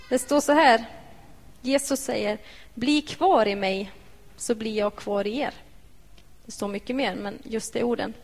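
A woman giving a personal devotional talk to a congregation, reflective and gentle, asking the listeners questions. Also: on the high side, gravelly. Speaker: devotional speaker. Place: church hall. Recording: echoey church hall.

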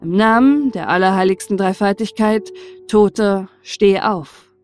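A woman voicing a stern male saint in a fairy tale, measured and admonishing. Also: medium pitch, darkish tone, soft background music, close to an everyday voice. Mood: solemn. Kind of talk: fairy-tale storybook character voice.

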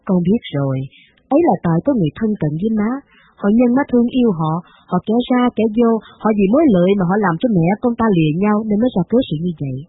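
A woman voicing a grown son who writes a formal, resentful letter to his mother, in a lowered voice. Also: lively intonation, rapid-fire, breathy edge, no echo. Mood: aggrieved. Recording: tinny phone-like, dry.

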